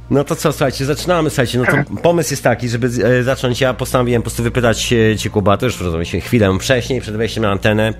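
A man's voice: mid-range voice, fast, few pauses, faint music behind. A man with a head cold and a stuffy, runny-nosed voice, hosting a live radio show in a casual, chatty way and repeating himself. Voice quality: stuffy, nasal voice from a runny nose. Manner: chatty, repeats phrases for emphasis. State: congested with a head cold, sniffling.

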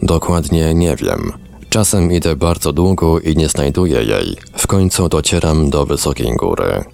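A man reading the lines of a tired young woman under hypnosis, in slow, subdued, matter-of-fact answers. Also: a bass voice, expressive, gravelly, darkish tone, heavily acted. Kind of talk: reading a hypnosis session transcript aloud.

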